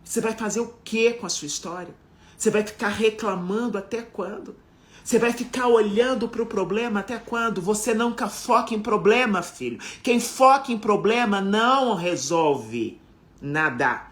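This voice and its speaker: A woman's voice: mid-range voice, moderate pace. A middle-aged woman preaching a live-streamed sermon, fervent and exhorting, with repeated phrases.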